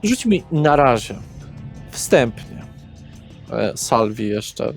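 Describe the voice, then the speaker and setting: A man runs a tabletop roleplay as its game master. He narrates deliberately at a slow pace in a mid-range voice, with soft music faintly behind him. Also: mid-range voice, sing-song.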